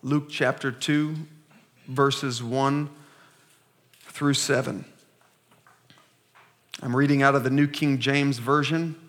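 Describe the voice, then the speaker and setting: A man in his thirties, a pastor giving a sermon with slow, emphatic scripture reading and call-and-response to the congregation. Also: mid-range voice, steady tone. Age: 30s.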